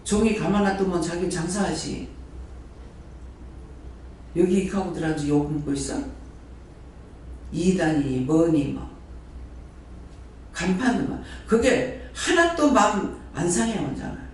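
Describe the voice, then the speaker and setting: A high-voiced man preaches, his pitch leaping around as he hammers the congregation with the same rhetorical questions. The sound bounces around a very echoey hall. He stands well back from the mic, with faint noise underneath. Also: expressive, a little slow, pauses often, darkish tone, distant mic. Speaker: prayer house director preaching. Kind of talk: sermon. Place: church hall.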